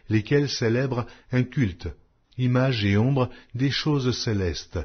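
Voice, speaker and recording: A man narrating an audio Bible in a solemn, measured, declamatory reading style. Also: medium pitch, husky. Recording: dull lo-fi audio.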